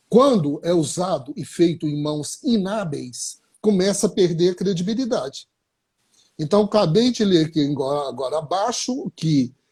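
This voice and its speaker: The tone is dark and mellow, with lively intonation. The speaker keeps a moderate pace. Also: man, high pitch for a man. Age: 60s. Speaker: plastic surgeon. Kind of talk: live stream interview. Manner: emphatic.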